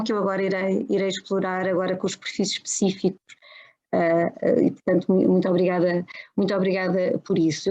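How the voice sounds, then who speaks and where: A woman's voice: medium pitch, mellow. Hesitant woman on a dull lo-fi line. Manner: polite, hesitant, many fillers and restarts. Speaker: discussant asking questions at a seminar. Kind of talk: academic seminar question. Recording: dull lo-fi sound.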